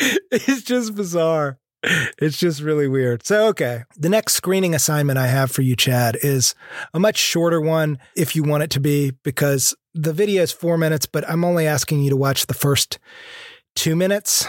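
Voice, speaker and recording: A man with a normal speaking voice, fairly high in pitch, at a moderate pace with ordinary pitch variation and very even loudness, in a dry, close sound with no echo. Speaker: co-host. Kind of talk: casual chat.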